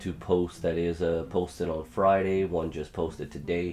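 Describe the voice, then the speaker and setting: Over music in the background, a man speaks at a moderate pace in a very deep, low pitch with monotone, flat intonation. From Louisiana Cajun. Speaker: YouTube reviewer. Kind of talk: casual vlog storytelling. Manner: hesitant, many fillers.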